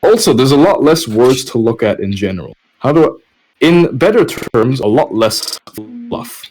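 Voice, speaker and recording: A man's voice: mid-range voice, big pitch swings, normal speed, darkish tone. A man chatting casually on a podcast, joking and self-deprecating. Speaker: podcast reader and co-host. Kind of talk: casual group chat. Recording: clearly noisy background.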